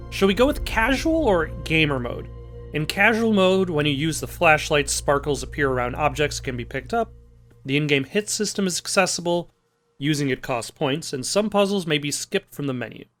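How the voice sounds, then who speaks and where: A man hosting a let's play with casual, improvised commentary, thinking aloud in a halting way. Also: fairly high pitch, a bit bright. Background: music.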